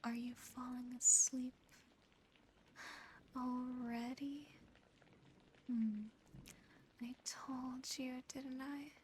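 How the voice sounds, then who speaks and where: Woman playing possessive, tender female demon for ASMR roleplay: very slow, close intimate whisper, soothing and gently teasing, background noise. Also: high voice, flat delivery, poor audio. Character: affectionate, possessive female sleep paralysis demon.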